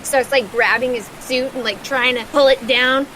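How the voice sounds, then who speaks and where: A woman's voice: high-pitched, fairly even intonation, moderate pace, pushed and bright, a little hiss or hum, rough recording. A woman game master improvising casual, conversational narration for a tabletop game, often saying "like". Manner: conversational, peppered with "like".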